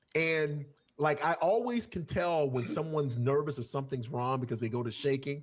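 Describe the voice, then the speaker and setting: A man with an American accent speaks at a moderate pace, his voice fairly high-pitched and somewhat breathy, with ordinary pitch variation. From Florida. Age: 50s. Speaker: former credit card fraudster. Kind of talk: interview storytelling. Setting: livestream.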